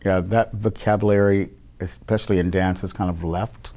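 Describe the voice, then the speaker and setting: Male guest, low voice, easygoing chatter with frequent laughs. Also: steady tone, moderate pace, a little mellow. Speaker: interview guest, performer. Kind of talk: casual interview chat.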